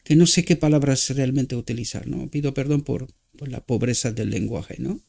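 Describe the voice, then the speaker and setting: A man with a Romanian accent, a non-native Spanish speaker, preaching a Christian reflection and often pausing to search for words. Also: mid-range voice, creaky, a little mellow. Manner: halting, searching for words, frequent rhetorical "¿verdad?".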